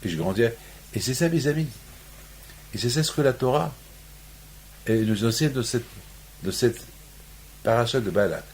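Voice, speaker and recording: A man's voice: medium pitch, expressive, normal speed, pauses often, a little hiss or hum. A man from Morocco giving a sermon on the weekly Torah portion, restating his points over and over and rising into emphatic peaks. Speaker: rabbi.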